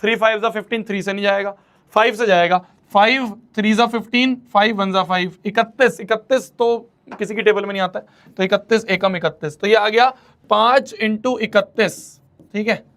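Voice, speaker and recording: A man's voice: sits high, normal speed, fairly bright tone. A young man teaching a maths class in a playful, teasing way, repeating his questions to the students. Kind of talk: online class lecture.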